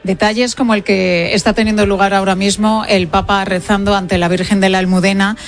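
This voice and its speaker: A woman anchoring live news commentary, measured and deliberate as she reads out breaking news. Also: medium pitch, flat delivery.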